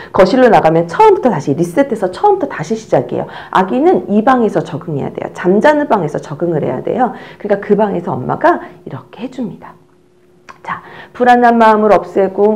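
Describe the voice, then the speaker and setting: A middle-aged baby care instructor shows parents how to calm a crying baby, demonstrating as she explains and giving an instructor's cues in an animated way. Her mid-range voice is creaky, and she drops to a soft whisper as the baby settles.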